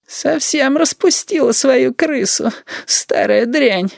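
Audiobook granny, sly and grumbling, put on by a male reader: very high, creaky, swooping drawl. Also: lively intonation, slow pace, no echo, clean studio sound, heavily acted. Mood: querulous. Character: grumbling old grandmother, nosy and sly.

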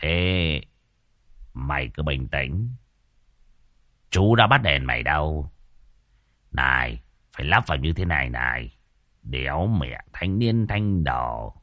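A man's voice: rumbling low, expressive, takes it slowly, pauses often, fairly bright tone, dry recording, clean studio sound, voice pushed down, full character voice. A man voicing a crude, boastful old male driver, coarse and bossy. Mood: gruff bossy.

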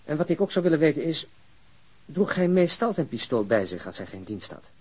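A man's voice: a little high, very animated, fairly quick, husky. A man playing a persistent police detective in a Dutch radio drama, questioning a bereaved woman bluntly and insistently.

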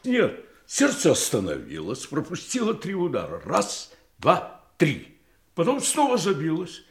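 Fussy doctor, audio play, extremely swooping pitch, hesitant, repetitive, detached curiosity. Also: male voice, wildly swooping pitch, measured pace, gravelly, exaggerated voice. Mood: earnest explaining. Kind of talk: theatrical Russian audio drama acting.

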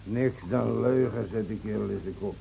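An actor playing a gruff village tavern keeper in a radio play, scoffing, curt and bossy. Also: male voice, on the low side, fairly even intonation, moderate pace. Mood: scornful. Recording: muffled, noisy old radio recording with hum.

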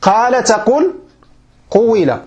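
A man's voice: very high voice, big pitch swings, slow, muffled recording, crowd noise. A man with a Moroccan Arabic accent teaching a classroom grammar lesson as a sheikh, patiently repeating points and often quizzing his listeners with check questions.

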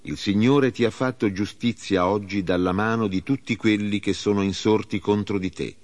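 A man voicing a respectful, formal foreign male messenger in a measured reading. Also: on the low side, steady tone, lightly acted.

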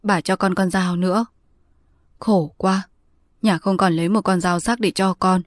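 A woman voicing a tender, worried old blind grandmother who speaks in a hushed, close voice in a read-aloud story. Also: on the low side, steady tone, unhurried, no room sound, lightly acted. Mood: soothing.

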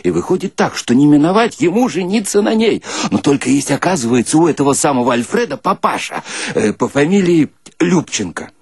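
Animated husky man telling a comic tale. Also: a little high, fairly quick, dry recording, clean studio sound. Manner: folksy, theatrical, animated, breaks into mock singing. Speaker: storyteller. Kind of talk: comic monologue in character, colloquial radio storytelling.

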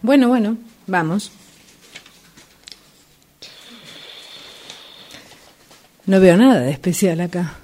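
A woman's voice: mid-range voice, animated, moderate pace, dark tone, close to an everyday voice. A woman in an amateur radio play acting a hesitant, wary female house buyer who questions everything. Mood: unsure. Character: hesitant, skeptical female house buyer, an artist, easily amazed.

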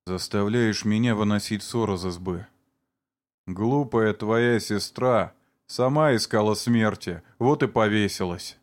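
A man voicing a middle-aged man who calmly, then tearfully, defends himself before his neighbours. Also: fairly low pitch, a little slow, natural voice. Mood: pleading. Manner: calm, then pleading and tearful.

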